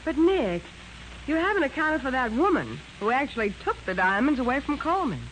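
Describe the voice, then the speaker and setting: A woman's voice: high-pitched, sing-song, brisk, a bit bright. An actress playing a perky, inquisitive female detective's assistant in a 1940s radio crime drama. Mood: curious. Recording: noisy 1940s radio recording.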